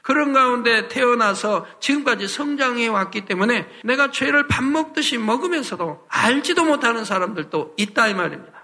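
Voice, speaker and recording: A man's voice: very high voice, expressive, a little fast, hardly any pauses, pushed and bright. A man preaching a sermon as a pastor, earnest and full of rhetorical questions to the congregation.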